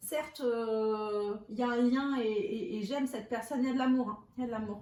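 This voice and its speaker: High-pitched female speech with normal pitch movement. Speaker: tarot reader. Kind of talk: tarot reading. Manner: hesitant, many fillers.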